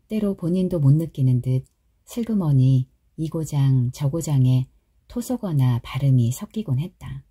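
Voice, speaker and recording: A woman reading a short story aloud as a calm, soft bedtime audiobook narrator. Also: low voice, breathy edge. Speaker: audiobook reader.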